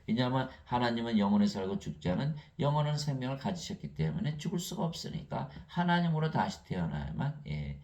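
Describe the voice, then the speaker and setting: A man preaching a sermon, asking and answering his own questions and acting out Bible figures in lively voices. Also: mid-range voice, a little fast, hardly any pauses. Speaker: pastor.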